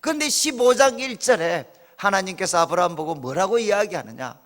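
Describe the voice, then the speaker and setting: Male pastor preaching, high voice jumping all over, big echoey church. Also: brisk. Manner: animated, storytelling with acted quotes. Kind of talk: sermon. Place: church sanctuary. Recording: reverberant church hall.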